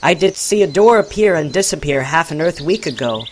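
A man's voice: on the high side, animated, fairly quick, a little hiss or hum, pitched above the performer's own voice, lightly acted. A man voicing a precocious six-year-old boy clone who speaks in mock-archaic English. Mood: matter-of-fact. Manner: mock-archaic speech, sassy and knowing.

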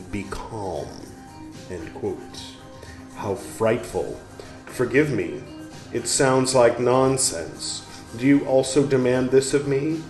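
A man hosting a show where he reads a book aloud, musing and pausing to talk back to the text in casual asides. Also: medium pitch. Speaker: podcast host reading aloud. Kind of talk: slow reading with casual asides. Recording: roomy room with faint background music. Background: soft instrumental music.

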